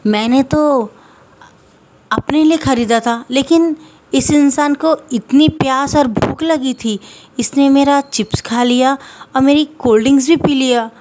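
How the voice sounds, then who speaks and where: A woman's voice: high voice, a little slow, a little mellow, slight background noise, voice pushed up. A woman voicing a polite young male engineer who grumbles mildly to himself in a resigned way.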